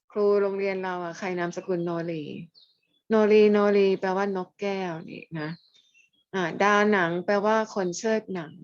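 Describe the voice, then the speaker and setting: A woman teacher runs a lesson over a video call, asking questions and answering them herself when the students stay silent. Her voice sits at a medium pitch and comes through a dry, close, slightly muffled lo-fi recording. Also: no room sound. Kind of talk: online class lecture. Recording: dull lo-fi dry audio.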